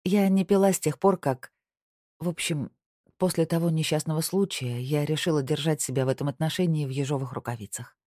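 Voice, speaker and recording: An audiobook reader voicing a direct, teasing Southern widow who runs a business, lifting the voice higher for her lines. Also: brisk, warm tone, no echo, studio quality, lightly acted. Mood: earnest. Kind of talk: audiobook dialogue.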